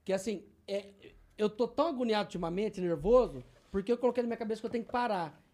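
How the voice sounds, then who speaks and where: Fast-talking man telling wild stories. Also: sits high. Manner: animated storyteller, acts out shouts and quoted voices; slangy, frequent filler tags. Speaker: guest. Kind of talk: casual podcast chat.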